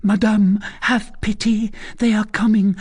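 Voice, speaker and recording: Terrified young girl for a storybook, played by a narrator: high, fragile, breathless, imploring. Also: little pitch movement, measured pace, a little mellow, slightly rough. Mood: terrified pleading. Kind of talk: dramatic audiobook character voice.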